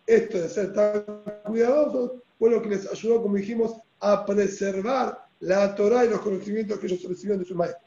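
A man with a Rioplatense Spanish accent teaching a Talmud lesson in a fairly high voice with a dark, mellow tone. He explains step by step and keeps checking that his listeners follow. The recording is dull and lo-fi, with an echoey room around him. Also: steady tone, fairly quick, hardly any pauses, soft background music. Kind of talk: religious text lesson.

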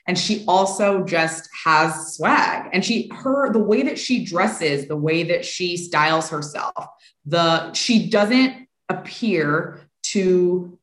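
A woman in her thirties hosting a podcast in a casual, chatty style. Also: lowish voice. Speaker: podcast host. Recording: roomy, echoing sound.

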